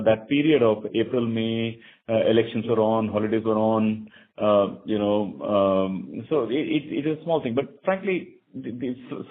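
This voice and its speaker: An Indian-accented man answering analysts as a bank executive on an earnings call, explaining haltingly and often repeating words. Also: mid-range voice. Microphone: conference call phone line. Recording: narrow tinny phone line.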